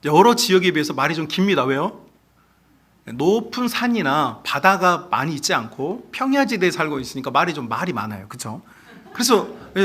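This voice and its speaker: A man delivers a sermon from the pulpit in a high voice that swoops up and down. He preaches with animation, turning to the congregation with questions and slipping into other voices for quoted speech. His tone is bright and forward. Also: slightly rough. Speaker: pastor.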